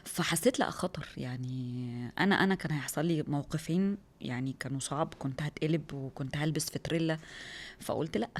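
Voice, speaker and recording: A woman in her thirties with an Egyptian Arabic accent, a rally driver telling her story in a lively, excitable way as an interview guest. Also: low-pitched, fast talker. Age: 30s. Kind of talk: casual interview talk.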